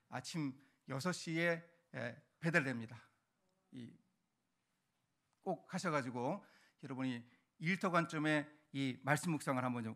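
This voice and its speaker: A middle-aged male pastor preaching a sermon to his congregation, animated and emphatic, sometimes shouting for emphasis. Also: fairly high pitch. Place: church sanctuary.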